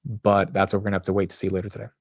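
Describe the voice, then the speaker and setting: An American man hosts a market livestream, chatting loosely and slangily while talking directly to his viewers and the chat. His deep voice is completely flat and very fast, recorded with no room sound.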